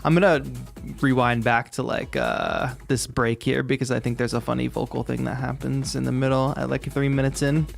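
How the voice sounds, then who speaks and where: Higher-voiced man hosting a casual stream. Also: lively intonation, normal speed, vocal fry, hardly any pauses, soft background music. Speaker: host judging music challenge entries. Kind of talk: casual live stream chat and critique.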